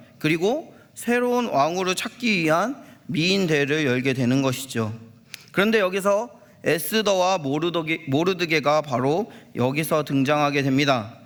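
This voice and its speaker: A man with a fairly high pitch, lively intonation and very even loudness. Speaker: pastor. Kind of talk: sermon. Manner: deliberately slow.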